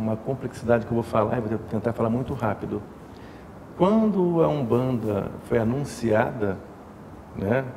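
A man's voice: mid-range voice, mellow. A man, an umbanda house leader explaining his faith in an interview, thoughtful and full of fillers and tag questions. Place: indoor temple room with altar. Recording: echoey room with faint hiss.

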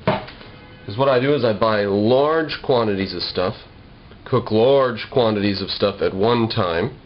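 A young American man talking casually to the camera in a wry, slightly formal way, explaining things in a homemade vlog. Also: medium pitch. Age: young adult. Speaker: video blogger. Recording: dull lo-fi home video with noise.

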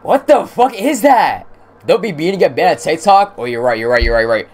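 A young man casually commentating on a game stream, using slang and talking excitedly to his chat. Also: on the high side, brisk, shouting, a little hiss or hum. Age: young adult. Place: indoor room at streaming setup.

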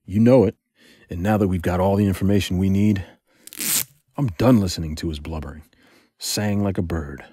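A man's voice: sits low, normal speed, pauses often, mellow, husky, no room sound, studio quality. A man playing a flirtatious, protective spy with a hot temper in an audio drama. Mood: confident, grim. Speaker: voice actor in a fan audio drama. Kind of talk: audio drama acting, intimate.

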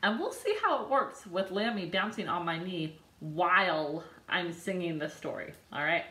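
A woman in her thirties, a children's librarian, singing a picture book for babies at home in a slow, bouncy sing-song with sound effects. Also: lowish voice, expressive, sharp tone, reverberant. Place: living room with a couch and a decorated wall.

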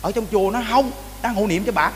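A man's voice: high-pitched, fast. A man with a Southern Vietnamese accent preaching a Buddhist sermon in a temple hall, telling stories with lots of repeated words and frequent calls to the audience. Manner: animated storytelling, repeats words, addresses the audience often. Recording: reverberant hall with faint noise.

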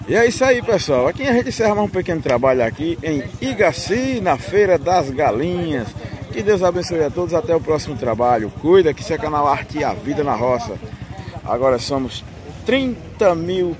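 Northeastern Brazilian man, higher voice, chatty market vlog, crowd noise. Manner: chatty, keeps pointing things out. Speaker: vlogger filming a market. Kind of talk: casual walking vlog commentary. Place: outdoor animal market.

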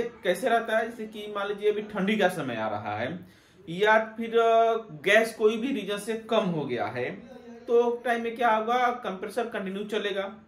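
A man's voice: high-pitched, roomy sound. A young man, host of a technician channel, explaining to the camera and asking himself rhetorical questions as he teaches. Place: indoor room with plain backdrop.

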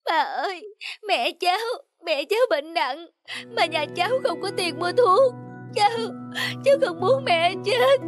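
A woman's voice: very high-pitched, expressive, moderate pace, long pauses, no echo. A woman voicing a devoted young daughter in a cartoon, pleading and emotional, with music playing behind. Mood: pleading, tearful. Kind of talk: cartoon voice acting. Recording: background music under the voice.

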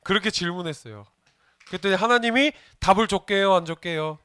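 This man speaks fairly quickly in a high, slightly bright voice that rings clear and resonant. As a junior pastor leading a lighthearted children's sermon, he quizzes the kids and trades jokes with them along the way. No room sound is audible.

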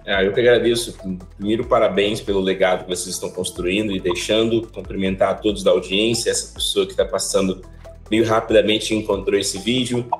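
A Brazilian finance educator in his forties from Salvador joins a video-call interview as a guest, speaking a little fast in a fairly low voice. He's animated and gestures with both hands as he explains, and his office with large windows sounds roomy, with soft music in the background.

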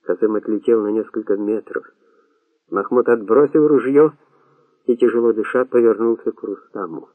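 A man's voice: on the low side, normal speed, dry recording. Male audiobook narrator, phone-like sound. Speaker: audiobook reader.

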